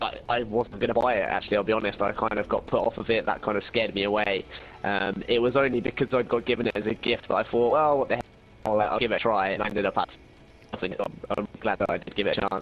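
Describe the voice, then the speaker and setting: Music plays behind a man speaking very fast in an English accent. His pitch is medium and his intonation fairly even. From England, Northamptonshire. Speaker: gaming youtuber. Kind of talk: casual interview. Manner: hesitant, many fillers.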